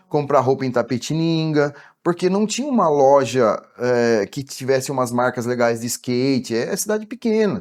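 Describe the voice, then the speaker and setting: A man with a normal speaking voice talks at a moderate pace and fairly high pitch, with lively intonation, hardly any pauses and a quiet background. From interior of São Paulo state, Brazil (São Miguel Arcanjo). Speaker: entrepreneur and ad agency owner. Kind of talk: podcast interview. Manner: casual, slangy.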